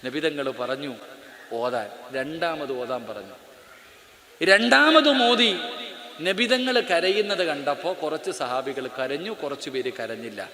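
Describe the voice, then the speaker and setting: A man's voice: mid-range voice, animated, unhurried, fairly bright tone. A man preaching an Islamic sermon in an auditorium. He speaks straight to the crowd and keeps calling out and questioning his listeners. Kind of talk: sermon to a live hall audience. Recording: echoey auditorium with long reverb.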